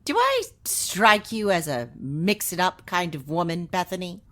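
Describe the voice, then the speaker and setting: A woman's voice: on the low side, big pitch swings, measured pace, a bit bright. Woman doing a worried professor type, earnest, voice moving up and down a lot. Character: cautious responsible woman professor. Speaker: professor, the student's supervisor. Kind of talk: golden-age style radio drama acting.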